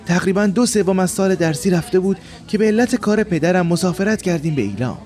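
A man's voice: high-pitched, animated, voice pushed up. A man voicing an elderly retired philosophy teacher. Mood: reminiscing. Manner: recalling earnestly, quiet tone.

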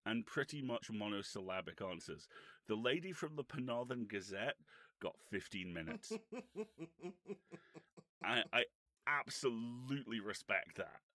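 A man's voice: medium pitch, sing-song, unhurried, pushed and bright, no echo. A British man co-hosting a podcast, telling casual anecdotes in a profane, wry storytelling manner. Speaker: podcast co-host.

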